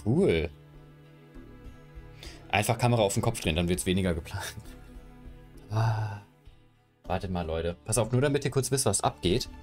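This time the streamer's voice is lowish and a little mellow, at normal speed with frequent pauses, while soft music plays behind him. He's indoors in his room on a headset mic, chatting loosely with viewers and rearranging his camera and gear.

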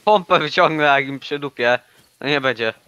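A young man chatting casually and excitably while playing a hunting game with a friend. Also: fairly high pitch, normal speed, smooth, no room sound, muffled recording. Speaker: gaming YouTuber. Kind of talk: casual co-op gameplay chat.

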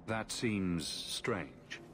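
An actor playing a composed, serious adventurer hero in a video game, speaking in a measured, blunt way. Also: male voice, deep voice, animated, fairly bright tone, a little hiss or hum, heavily acted.

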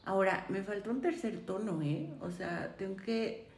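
A woman's voice: medium pitch, animated, normal speed, a little mellow. A woman, chatting effusively to viewers while trying on makeup. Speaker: beauty vlogger. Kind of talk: casual makeup try-on chat. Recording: roomy echo, faint room noise.

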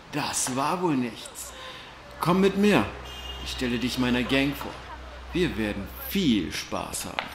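An actor playing a leering, taunting street gang thug in an audio drama. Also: male voice, medium pitch, expressive, slow pace, long pauses. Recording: echoey with noisy background ambience.

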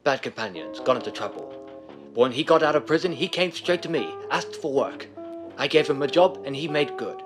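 A man's voice: mid-range voice, expressive, brisk, over music, lightly acted. A man playing a confident, reassuring businessman husband in a 1930s-style radio drama. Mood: earnest, confident. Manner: breezy, reassuring.

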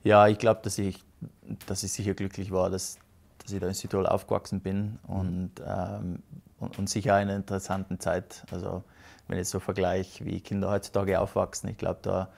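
A man's voice: low voice, monotone, moderate pace, vocal fry, darkish tone. A man, a guest in a casual interview who hesitates and restarts often. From South Tyrol, Italy. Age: 30s. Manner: hesitant, many restarts and fillers. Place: rustic hotel lounge with fireplace.

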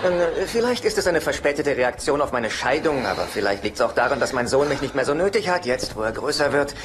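A man's voice: mid-range voice, very animated, a little fast, background noise, close to an everyday voice. An actor playing a neurotic, whiny divorced father in a dubbed sitcom, anxious and self-pitying. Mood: plaintive. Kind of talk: sitcom dub acting.

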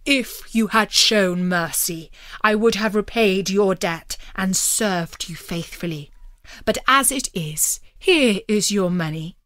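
A woman reading a storybook, voicing a humble, honourable knight in an earnest, deliberate way. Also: mid-range voice, a bit bright, dry recording, studio quality. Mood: dignified.

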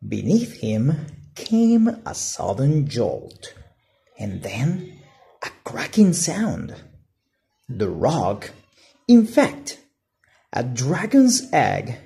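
Very slow, animated low-voiced woman storyteller. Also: vocal fry. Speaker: storybook reader. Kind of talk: read-aloud children's story narration.

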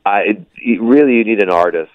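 Man, very low voice, dry rambling comic storytelling, dull muffled line, dead dry sound. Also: brisk, no room sound. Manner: dry, rambling storytelling with self-deprecating asides. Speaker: stand-up comedian guest. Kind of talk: casual radio interview.

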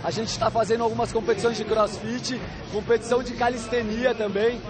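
A man's voice: very high-pitched, level tone, fairly quick. A man who works as a physical educator, explaining competitions matter-of-factly at a busy indoor sports fair, into a handheld mic. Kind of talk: interview answers. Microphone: reporter's handheld mic. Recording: crowd noise at an expo.

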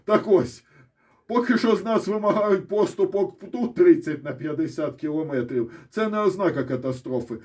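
A man's voice: high-pitched, moderate pace, a little mellow. A man with a Ukrainian accent giving blunt, sarcastic solo commentary on a war, swearing freely and breaking into pointing asides. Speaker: military-political commentator. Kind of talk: casual solo commentary with map.

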